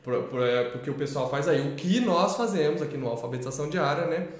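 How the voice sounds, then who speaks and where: This co-host of a literacy channel is a fast talker with a voice on the high side and lively intonation. His casual explanation of teaching children to read rambles, with many restarts and tag questions, and the room sounds echoey.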